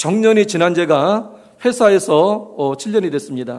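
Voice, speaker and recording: A man speaks in a high pitch at a moderate pace. His intonation is lively. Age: 60s. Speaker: lay preacher. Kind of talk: sermon. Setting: church.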